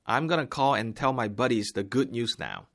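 A man reading the part of a cheerful young worker in a textbook dialogue, lifting his voice higher. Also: very slow, vocal fry, heavily acted. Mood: excited. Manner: bright, excited lines.

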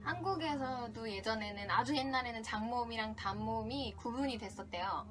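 Female podcast teacher from South Korea, high voice, informal, giggly, demonstrating English pronunciation. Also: brisk, fairly bright tone. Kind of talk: conversational podcast lesson.

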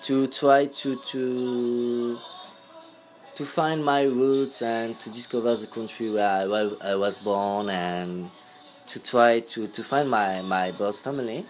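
A man's voice: medium pitch, fairly even intonation, takes it slowly, soft background music. A young man from France with a French accent, a podcast guest speaking English as a second language, hesitant and searching for words. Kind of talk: casual conversation.

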